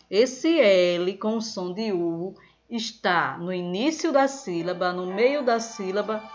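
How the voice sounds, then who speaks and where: Slow, patient Brazilian woman teacher. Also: mid-range voice, dull audio. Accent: Brazilian Portuguese. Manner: slow, patient, repeats each step with "certo?". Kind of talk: recorded remote class for young children. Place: at home, phone nearby.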